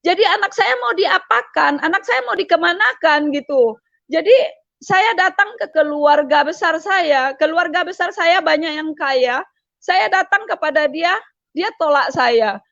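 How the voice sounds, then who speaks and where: A middle-aged woman giving an emotional personal testimony, repeating herself and pausing with hesitations. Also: very high-pitched, expressive, creaky, a bit bright, no echo, dull audio. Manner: emotional, repetitive storytelling with frequent hesitations. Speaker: testimony speaker.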